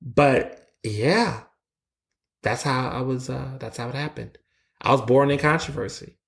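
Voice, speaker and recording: A man's voice: mid-range voice, a little slow, vocal fry. A man in his twenties hosting a solo opinion podcast, blunt and sassy, often restarting his sentences, tired after a long late night. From United States. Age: 20s. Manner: animated, sassy and blunt, with frequent restarts and stammers. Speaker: podcast host.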